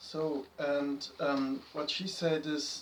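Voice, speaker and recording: A man talks at a fairly high pitch with a German accent. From Germany. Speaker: video blogger. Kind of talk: direct-to-camera monologue. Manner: halting.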